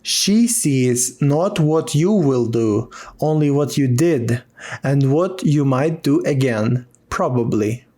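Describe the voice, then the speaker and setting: An actor playing an earnest tribal chronicler in a video game, narrating lore in a measured way. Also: male voice, medium pitch, expressive, warm tone.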